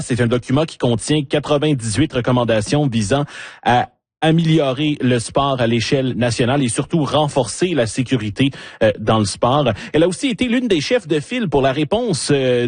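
A man hosting a radio interview, asking measured questions with frequent hesitations. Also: mid-range voice, a little mellow, husky, no room sound.

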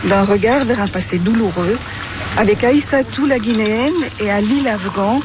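A woman reporter reading a gentle, evocative scripted narration. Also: mid-range voice, normal speed, noisy background.

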